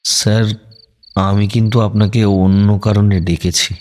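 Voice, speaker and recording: A man's voice: lowish voice, flat delivery, measured pace, a little mellow, a little hiss or hum, close to an everyday voice. An actor playing a despondent young disabled man in an audio drama, speaking to his old teacher with subdued respect. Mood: earnest.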